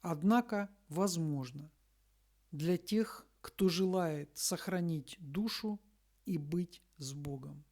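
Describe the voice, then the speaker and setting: Slow, solemn woman reading scripture-like text. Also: on the low side, darkish tone. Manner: measured, deliberate, with long pauses between short phrases. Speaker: spiritual messenger reading a message.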